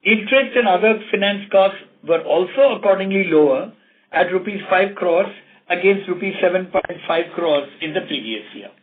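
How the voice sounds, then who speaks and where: Indian guy on a tinny phone line, kinda high voice, reading company results all formal and measured. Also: lively intonation. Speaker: company executive presenting results. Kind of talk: scripted financial results presentation. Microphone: telephone conference call.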